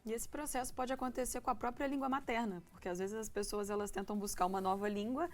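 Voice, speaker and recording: A woman's voice: fairly high pitch, fairly even intonation, quick pace, a little hiss or hum. A woman with a Brazilian Portuguese accent hosting a TV morning show interview, chatty and adding her own personal stories. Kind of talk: TV studio interview.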